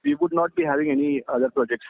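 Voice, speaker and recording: A man with an Indian accent asking questions as an investor on an earnings call, polite and halting, over a phone line. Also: very high voice, huge pitch swings, vocal fry, dry recording.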